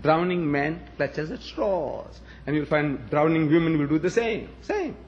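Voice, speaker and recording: A man whose first language is Gujarati lectures a crowd in an emphatic, rhetorical way, hammering the same questions again and again. His voice sits a little high for a man. The recording sounds dull and lo-fi. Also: lively intonation, measured pace. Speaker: lecturer addressing an audience.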